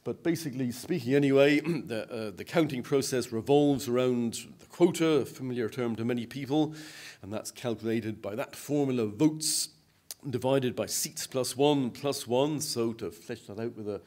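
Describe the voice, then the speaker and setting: An older man presents to a seated convention audience in a hotel conference room. He explains in a measured, patient way, often restarting a phrase before carrying on. His voice sits at an ordinary middle pitch for a man. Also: darkish tone.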